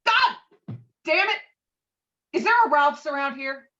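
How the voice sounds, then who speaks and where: A woman's voice: high voice, expressive, takes it slowly, bright, forceful tone, dull audio, full character voice. A woman playing a hot-headed, pompous middle-aged male veteran and bowler in an online script read. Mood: indignant. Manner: blustering, pompous, foul-mouthed. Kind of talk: virtual table read of a film script. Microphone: video call.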